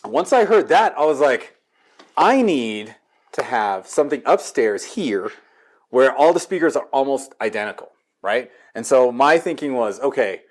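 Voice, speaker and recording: A man with a medium-pitched voice gives a casual tour of his gear at home. He talks in a loose, rambling, slangy way, like an enthusiast telling stories. The setting is a living room. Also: animated, measured pace. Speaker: home theater enthusiast giving a walkthrough. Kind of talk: casual gear walkthrough chat.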